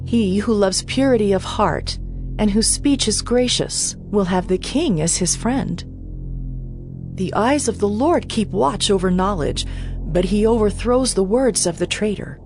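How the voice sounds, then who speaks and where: A woman reading scripture in a measured, composed manner, as in a dramatized Bible audiobook. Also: medium pitch. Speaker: scripture reader. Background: background music.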